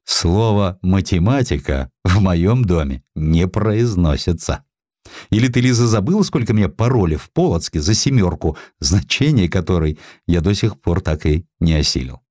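A man's voice: low-pitched, lively intonation, moderate pace, darkish tone, no echo, clean studio sound. A man voicing an aging, stubborn Russian scholar in dramatised audiobook dialogue, with an emphatic, declamatory manner. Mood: irritated, emphatic.

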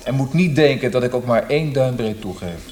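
An actor playing a proud, fretful poet in a radio drama, speaking in an earnest, precise, grumbling way. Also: male voice, mid-range voice, expressive, fairly quick, a little mellow, a little hiss or hum, lightly acted. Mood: indignant. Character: proud, fretful, melancholy male poet and librettist.

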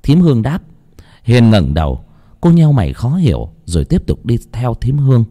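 A man narrating a ghost story in an unhurried, expressive way. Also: medium pitch.

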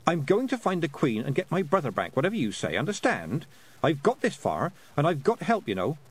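A brave young girl, as a man puts her on, earnest and determined. She speaks with urgency and firmness. Her voice sits a little raised and moves lively. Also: on the high side, a little fast, slightly rough, voice pushed up, exaggerated voice, rough recording.

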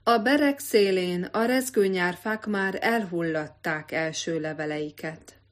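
A woman narrating an audiobook in a measured, expressive literary reading. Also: on the low side. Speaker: audiobook reader.

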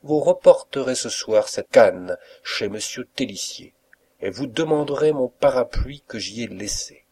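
A man voicing an irate old bachelor who scolds and dismisses his servants, raising his voice loud and high. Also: animated, unhurried, breathy edge. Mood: cold. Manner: shouting, commanding. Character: furious old bachelor master of the house.

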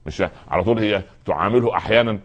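A man's voice: on the low side, racing, muffled recording. A man preaching a sermon, earnestly admonishing his listeners and addressing them directly.

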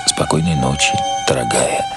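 Male reader as lonely old émigré man, very deep voice, self-mocking musing, radio drama, music behind. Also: moderate pace. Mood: tender, self-mocking. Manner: musing, talking to himself. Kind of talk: literary radio reading.

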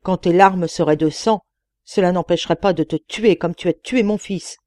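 A woman's voice: normal speed, mellow, no room sound, clean studio sound, lightly acted. A woman voicing a huge, white-haired old male genie who is vengeful and speaks in a terrible tone, in an audiobook reading. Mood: menacing. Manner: terrible, booming tone.

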